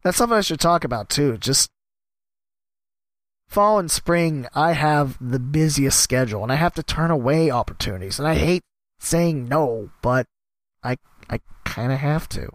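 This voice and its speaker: A man's voice: a little high, lively intonation, normal speed, no room sound. A man hosting his own podcast, rambling casually and joking at his own expense, his voice worn from a cough. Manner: rambling, self-deprecating, jumps between topics. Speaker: podcast host and sports announcer. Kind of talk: casual solo podcast monologue.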